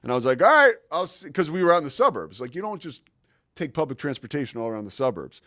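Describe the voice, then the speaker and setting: A man's voice: medium pitch, very animated, quick pace, no room sound, clean studio sound. A man in his forties hosting his own show, telling a long personal story in a casual, rambling way with lots of fillers and restarts. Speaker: show host.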